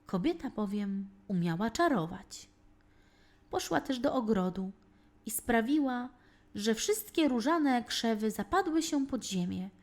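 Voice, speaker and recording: A woman narrating a children's fairy tale in an expressive, deliberate, scripted storytelling style. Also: a little high.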